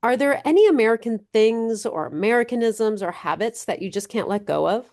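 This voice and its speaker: A woman interviewer asking measured questions. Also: fairly high pitch, animated, a little mellow.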